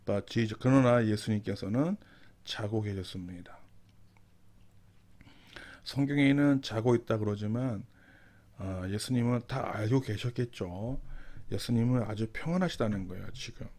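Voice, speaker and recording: A man teaching English through Bible verses. He reads each verse very slowly, then explains it, repeating and rephrasing the key words. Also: on the low side, a little mellow.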